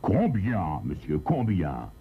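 A man's voice: sits low, huge pitch swings, slow, voice pushed up, heavily acted. A man playing a blustering store boss. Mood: nervous, pleading. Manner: blustering, grumbling, stammering. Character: pompous, irritable store director, middle-aged man. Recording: tinny lo-fi recording, faint hiss.

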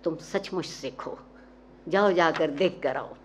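A woman's voice: deep voice, a little hiss or hum, natural voice. Woman reading as a brash, defiant young woman. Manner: brusque and teasing, impatient commands. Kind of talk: dramatic reading of a short story. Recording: dull, muffled recording.

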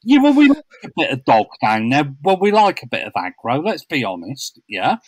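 A blunt man in casual football chat, punching his points with tag questions. His voice is fairly high and bounces around lively. The sound is close and dry. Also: moderate pace, no echo. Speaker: podcast co-host.

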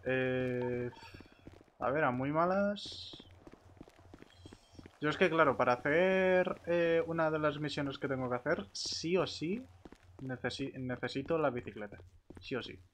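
Halting man in noisy game chat. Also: on the high side, a bit bright. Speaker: roleplay game player. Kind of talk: casual in-game roleplay chat.

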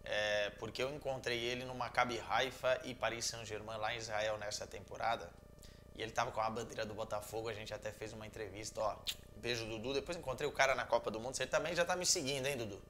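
Brazilian man in his thirties, relaxed and joking football chat, talks with his hands, medium-pitched voice, small home room with a faint hum behind him. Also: fast. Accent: Brazilian Portuguese. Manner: animated, joking, gestures a lot. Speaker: football commentator answering viewers. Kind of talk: casual chat.

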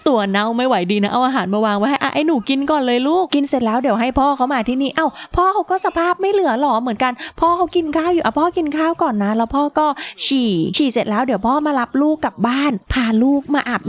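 High-voiced woman chatting through a game. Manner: chatty, talks to viewers and her game characters. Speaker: gaming video host. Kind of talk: casual game commentary.

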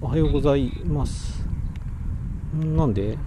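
This man's voice is on the high side at a moderate pace, heard against a noisy background as he livestreams his cycling outdoors. Chatting casually with viewers, he tests and repairs his microphone through a voice recorder, mumbling mic checks along the way.

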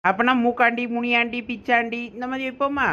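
A woman's voice: a little high, flat delivery, fairly quick, bright, forceful tone, muffled recording. A woman, talking in a teasing, playful way in a comic sketch.

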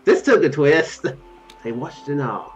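A man's voice: a little high, expressive, a little slow. A young man doing casual let's play commentary, reading game text aloud and rambling into joking asides. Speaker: video game streamer. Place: small room at home, indoors. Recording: dull lo-fi home mic, music behind. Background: game music.

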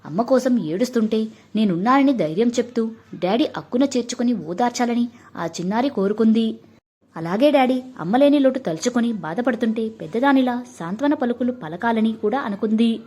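A woman narrating a family drama in a steady, measured storybook reading. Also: a little high.

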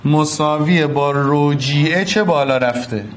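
Male physics teacher, fairly high voice, online class, coaxing and repeats every step. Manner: coaxing, affectionate, repeats key steps.

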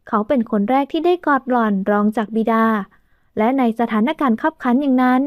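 High-voiced woman narrating an audio novel. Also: a little fast, no room sound. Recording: dull dry studio recording.

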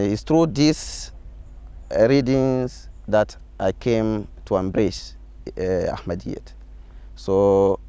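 Slow, deep-voiced young man. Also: dark tone, clean tone, dry recording. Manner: halting, many fillers and restarts. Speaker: interview guest, student. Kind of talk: answering interview questions. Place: outdoors on a school field. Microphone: lapel mic.

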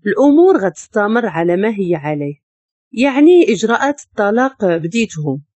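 Moroccan woman voicing cold young husband, flat and dismissive, husky, dry sound. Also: medium pitch, fairly quick, no echo.

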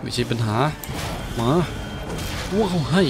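Exclamatory man commentating over game music. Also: a little slow. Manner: exclamatory, reacting to play with interjections. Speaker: video game streamer. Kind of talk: gameplay commentary. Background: video game music and effects.

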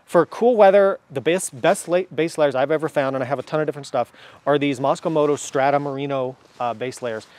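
A man's voice: on the high side, brisk, a little mellow, no echo. A man in his thirties giving a casual, enthusiastic motorcycle gear review to camera outdoors, with lots of fillers. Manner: enthusiastic, chatty, many fillers.

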